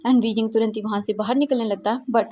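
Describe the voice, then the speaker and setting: A woman's voice: fairly high pitch, steady tone, quick pace, dark tone. A woman casually narrating her own fanfiction story, chatty and mixing in English words.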